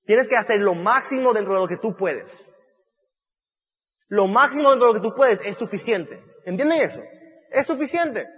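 A man's voice: high-pitched, lively intonation, normal speed, a bit bright, husky. A man giving an emphatic motivational talk to an audience, repeating key phrases and restarting mid-sentence. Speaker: motivational speaker at a business event. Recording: long reverb of a large hall.

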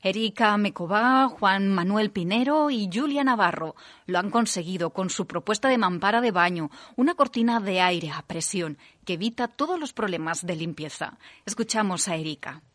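Woman, radio news presenter, clear even delivery, dry studio sound. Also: mid-range voice, normal speed, dry recording. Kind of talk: scripted news reading.

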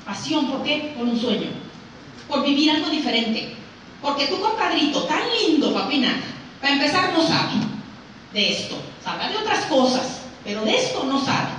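A woman's voice: sits high, very animated, moderate pace, fairly bright tone. A woman with a Mexican accent giving a motivational talk to an audience, emphatic and full of rhetorical questions. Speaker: speaker. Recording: very echoey room, mic far off, faint noise.

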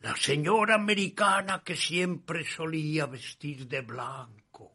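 An actor playing a village local in a radio drama, with a gravelly, raspy voice and a halting, ominous manner. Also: male voice, fairly high pitch, pushed and bright, heavily acted. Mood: slow, ominous. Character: slow, gravelly village local man giving directions.

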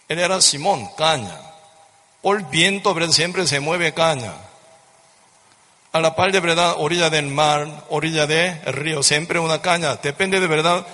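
A man's voice: on the high side, bright, forceful tone. Fervent male preacher in a reverberant hall. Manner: fervent, repetitive, frequent rhetorical tag questions. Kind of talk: sermon.

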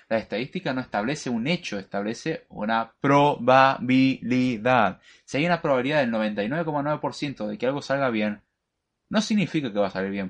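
A man, hosting a live programming lesson, lecturing in an opinionated, emphatic way. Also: mid-range voice. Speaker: programming show host.

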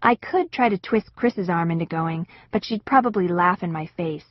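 A woman narrating an audiobook in the first person with an expressive, wistful storytelling manner. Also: lowish voice, normal speed, no echo, muffled recording.

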